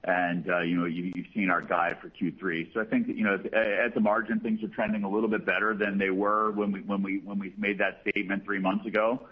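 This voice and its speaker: A male executive with a very low, somewhat husky voice answers questions on a business call. He speaks in a measured, halting way, restarting phrases, over a dull, lo-fi line. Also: level tone. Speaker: company executive answering analysts. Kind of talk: earnings call Q&A.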